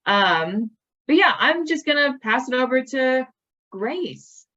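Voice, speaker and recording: A woman's voice: high-pitched, big pitch swings, slow pace, bright, forceful tone. Young female host, casual and filler-heavy, slightly muffled video-call sound. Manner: casual, filler-heavy, with many ums and likes. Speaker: program host. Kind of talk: casual event hosting.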